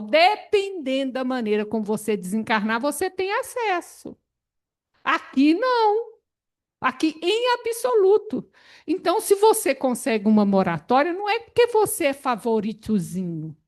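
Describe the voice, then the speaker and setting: A woman, leading a spiritist study group in an animated, expressive way. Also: sits high. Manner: animated, expressive, laughs often. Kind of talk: spiritist Bible study talk.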